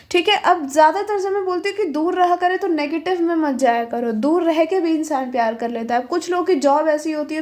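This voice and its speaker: A young woman giving a pick-a-pile tarot reading, chatty and reassuring, mixing Hindi and English and checking in with her listeners. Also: high voice. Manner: chatty, mixes Hindi and English, keeps asking "ठीक है?". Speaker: tarot reader.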